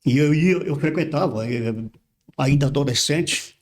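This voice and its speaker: A man's voice: fairly high pitch, a little slow, a little mellow. An older man from Brazil, a pastor, telling his life story in a casual interview and repeating words as he recalls things. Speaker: pastor, podcast guest.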